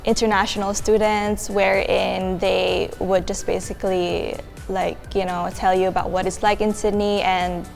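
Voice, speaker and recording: A woman's voice: medium pitch, level tone, measured pace, creaky, hardly any pauses, a little mellow, soft background music. Chatty young woman from the Philippines. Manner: chatty, many filler likes. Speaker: international student. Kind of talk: casual student testimonial.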